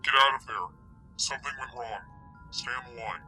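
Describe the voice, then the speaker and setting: A stern crime boss in an audio drama, with a mid-pitched voice. He is curt, commanding and angry, with music clearly behind him. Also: fairly even intonation, moderate pace, pushed and bright, low-quality recording. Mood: cold anger.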